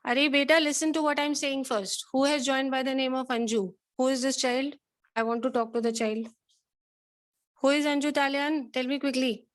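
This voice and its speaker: Woman, South Asian accent, high-pitched, dry close sound, stern schoolteacher, insistent questions. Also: fairly even intonation, normal speed, dry recording. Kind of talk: online class talk to pupils.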